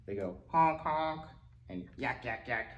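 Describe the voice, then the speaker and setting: A man's voice: mid-range voice, animated, a little slow. A man reading picture books aloud to young children, with playful, chatty asides to his listeners. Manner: acts out animal sounds and exclamations. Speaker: library storytime reader. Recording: roomy echo with faint background noise.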